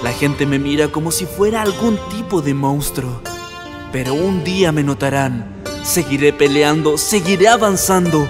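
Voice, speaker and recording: A man's voice: fairly high pitch, normal speed, music in the background, natural voice. A man with a Latin American Spanish accent voicing an earnest, comically intense young ninja in an amateur anime parody fan dub. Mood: brooding, determined.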